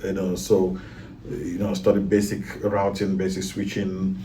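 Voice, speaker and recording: A man's voice: low-pitched, flat delivery, a little slow, warm tone, distant mic, a little hiss or hum. A man from Cameroon, a guest in a casual talk, speaking with many fillers and restarts. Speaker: guest, IT project manager.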